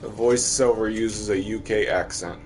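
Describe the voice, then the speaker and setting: A man's voice: on the low side, fairly even intonation, normal speed, faint music behind. A man from the American Midwest with a Midwestern accent, chatting casually while streaming a game and answering viewers. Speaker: livestream host. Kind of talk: casual gameplay commentary.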